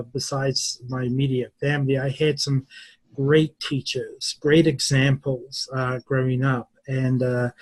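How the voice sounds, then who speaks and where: A middle-aged man from New Zealand, a university English teacher, answering interview questions slowly and thoughtfully, with many pauses. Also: medium pitch, darkish tone, no room sound, low-quality recording.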